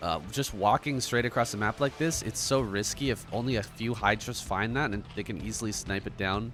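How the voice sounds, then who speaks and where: Music plays in the background as a man talks in a fairly low pitch. His pace is fairly quick, with hardly any pauses. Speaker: esports caster. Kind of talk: live game commentary.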